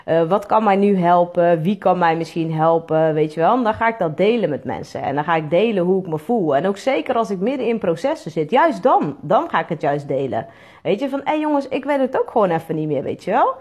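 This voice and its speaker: A woman's voice: fairly low pitch, lively intonation, brisk, darkish tone, slightly rough. A woman, an entrepreneur talking frankly on her own show, swearing freely and filling her speech with tag questions. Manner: frank and blunt, swears freely, fills with "weet je wel". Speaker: entrepreneur and podcast host. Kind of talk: candid solo monologue.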